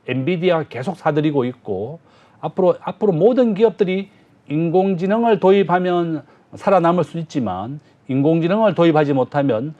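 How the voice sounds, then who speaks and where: A man, a business professor, giving measured economic commentary as a guest, with frequent filler pauses. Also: a little high, expressive, mellow, dull audio.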